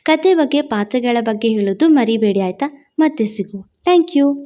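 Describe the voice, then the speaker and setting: A woman telling a romance audio story in an expressive, emphatic narrating style. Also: on the high side, moderate pace, highs cut off.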